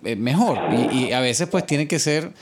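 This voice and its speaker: A man's voice: on the high side, lively intonation, normal speed, slight background noise. A man hosting a radio interview, hesitant, with many restarts. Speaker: host.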